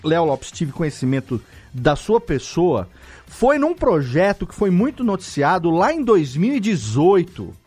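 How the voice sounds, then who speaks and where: A man with a Brazilian Portuguese accent hosting a podcast in a lively, joking casual chat. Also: fairly high pitch, unhurried, husky, soft background music. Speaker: podcast host.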